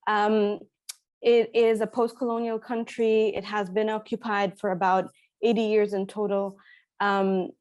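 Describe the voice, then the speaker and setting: A woman's voice: medium pitch, flat delivery, measured pace, darkish tone, dry recording, dull audio. A woman from Egypt giving a conference presentation, speaking hesitantly with many fillers and restarts. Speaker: speaker presenting at an academic talk.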